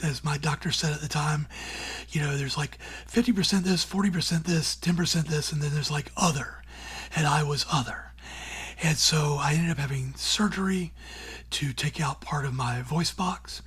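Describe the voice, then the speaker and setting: A middle-aged man who hosts a radio show, answering interview questions in a breathy, raspy, near-whispered voice, earnest and plainspoken with casual fillers. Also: fairly high pitch, normal speed, a bit bright. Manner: earnest and plainspoken, with many "you know" and "like" fillers. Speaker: radio show host and former newspaper columnist.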